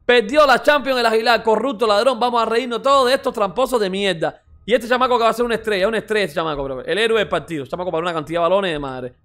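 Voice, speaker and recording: A man's voice: sits high, rapid-fire, hardly any pauses, fairly bright tone. A man giving casual mocking football reaction commentary as a streamer, repeating exclamations, swearing and ranting.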